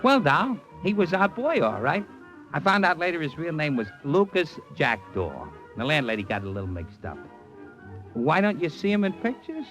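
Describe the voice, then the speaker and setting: Slick talent agent, lively sing-song voice, a bit high, old radio show. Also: male voice, moderate pace, music in the background, poor audio. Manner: brash, breezy wisecracking. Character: fast-talking middle-aged male talent agent. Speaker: movie agent and narrator. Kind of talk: 1950s radio drama acting.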